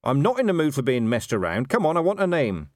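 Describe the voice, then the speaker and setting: A man's voice: medium pitch, sing-song, moderate pace, dry recording, studio quality, voice pushed up, lightly acted. A man playing a sardonic, weary watch commander. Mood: demanding. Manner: demanding, sceptical, sarcastic.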